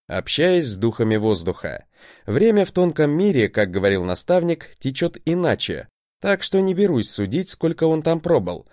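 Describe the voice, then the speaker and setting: Man, audiobook narrator, wry first-person telling, animated pitch, dry close sound. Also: no echo. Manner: wry, conversational.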